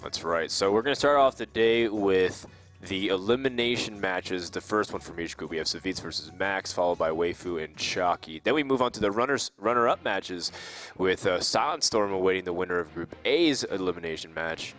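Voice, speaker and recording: A man hosting an esports tournament desk, recapping results and putting questions to his co-casters in a lively way. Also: sits low, normal speed, faint music behind.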